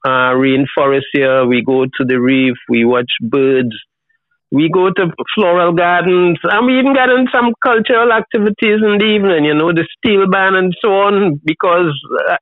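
A man's voice: high voice, normal speed, no room sound. A seventy-year-old man with a Trinidadian accent, talking in an easygoing, reflective, colloquial way as an interview guest over a call. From Trinidad and Tobago. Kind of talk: casual conversational interview. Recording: thin, phone-like call audio.

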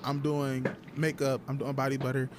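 A man's voice: medium pitch, monotone, normal speed, background noise. A man from Toledo with an African American accent, chatting casually and repeating his phrases for emphasis. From Toledo, Ohio, USA. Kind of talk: casual group chat.

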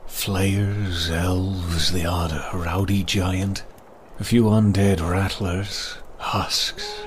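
A man's voice: sits low, level tone, drawn-out words, noisy background. A man playing an easygoing, boastful monster hunter for hire in an audio drama, with a hesitant, rambling delivery. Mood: confident, boastful. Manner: hesitant, rambling, munches while talking.

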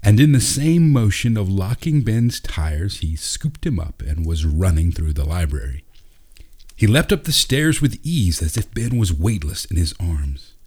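A man with a husky voice narrating a scripted story as a storyteller. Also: deep voice, sing-song, measured pace, darkish tone.

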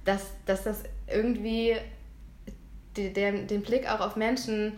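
A woman's voice: mid-range voice, level tone, slow pace, darkish tone, roomy sound. A young German woman in casual conversation, thinking aloud with many fillers. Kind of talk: casual chat.

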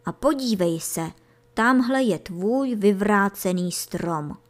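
A no-nonsense rabbit father, as a woman reads him, firm and a touch louder than the narration. He talks in a brisk, matter-of-fact way in a children's storybook. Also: medium pitch, expressive, lightly acted. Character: practical male rabbit father, brisk and growing impatient. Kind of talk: storybook reading.

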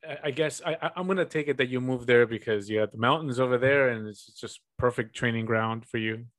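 A man's voice: medium pitch, brisk, fairly bright tone. Upbeat man hosting a podcast interview. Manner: friendly, upbeat, with fillers and laughs. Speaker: podcast host. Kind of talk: casual interview.

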